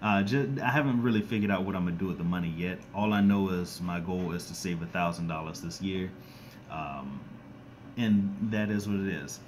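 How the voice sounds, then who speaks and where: Casting: man, very low pitch, raspy and monotone from a cold, halting casual streamer talk, faint background hiss. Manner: halting, many ums and restarts. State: scratchy throat from a cold. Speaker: YouTuber doing a live stream. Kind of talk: casual live-stream chat. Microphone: close to the screen and device.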